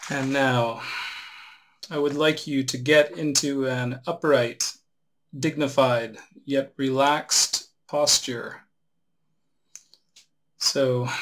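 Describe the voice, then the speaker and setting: A man guiding a relaxation meditation as a teacher, giving unhurried instructions with long pauses. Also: mid-range voice, flat delivery, a bit bright, rough recording.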